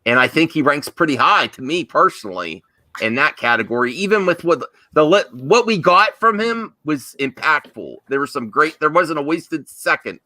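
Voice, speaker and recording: A man's voice: fairly high pitch, sing-song, normal speed, sharp tone, dry recording. A man hosting an online fan show in a casual livestream chat style.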